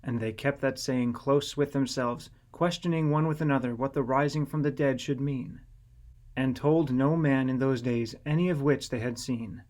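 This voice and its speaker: A man narrating a scripture audiobook in a solemn, measured storytelling manner. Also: medium pitch, steady tone, a little mellow.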